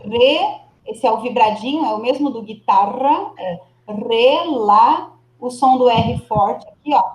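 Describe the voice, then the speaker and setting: Patient teacher in an echoey room. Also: female voice, a little high. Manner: patient, encouraging, models words slowly and repeats them. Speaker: Spanish teacher. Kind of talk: online class, coaching a student's pronunciation. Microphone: video call.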